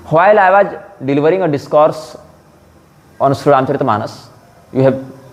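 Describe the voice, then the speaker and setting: A man's voice, with ordinary pitch variation, is heard over music in the background. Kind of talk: public statement. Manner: formal; careful, not fluent.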